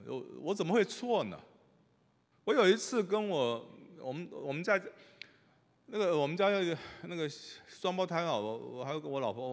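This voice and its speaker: A middle-aged male pastor delivers a sermon, telling stories with a very lively, rising and falling voice. He swings between loud bursts and hushed asides, acting out the lines he quotes. A long reverb trails each phrase, as in a large church hall. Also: a little high.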